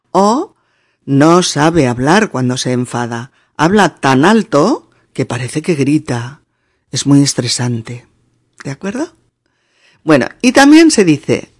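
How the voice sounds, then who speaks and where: A woman's voice: sits low, darkish tone, no room sound, clean studio sound. A woman with a Spain Spanish accent hosting a teaching podcast, repeating words and spelling them out letter by letter.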